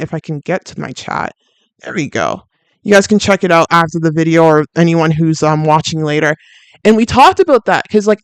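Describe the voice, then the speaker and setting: Chatting candidly on a fitness livestream, a woman reads viewer comments with lots of fillers and easy laughter. Her deep, soothing voice sounds smooth and clean, recorded close and dry with no room sound or echo.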